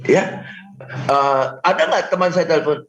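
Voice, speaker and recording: Lively man giving sales tips. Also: fairly high pitch, normal speed, echoey room, highs cut off. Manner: animated, laughs often, acts out phone calls; mixes English phrases into speech. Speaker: sales trainer guest. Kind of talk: radio talk show advice.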